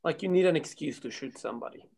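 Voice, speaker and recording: A cautious, wry townsman, played by a man in a period drama read-through. His voice sits a little higher than most men's. He talks in a folksy, everyday way. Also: expressive, fast talker, darkish tone, slightly rough. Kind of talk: table read of a historical drama script.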